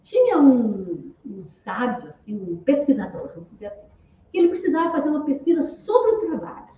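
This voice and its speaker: Woman giving a spiritual talk, high voice, chatty storytelling, far off mic in an echoey dull room. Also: very animated, moderate pace, dark tone, slight background noise. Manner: conversational, ends phrases with "né?". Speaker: Spiritist speaker.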